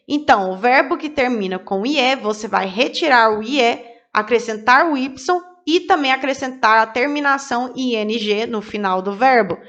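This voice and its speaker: A woman's voice: sits high, fairly bright tone. A woman teaching a video lesson, explaining step by step, asking and answering her own questions and spelling out letters one by one. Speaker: English teacher.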